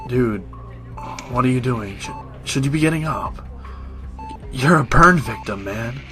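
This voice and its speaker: An ordinary guy played by a male actor as a panicky hospital patient in a horror audio drama. His pitch jumps around a lot as casual talk tips toward frantic yelling, over faint music. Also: lively intonation, a little slow. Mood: uneasy.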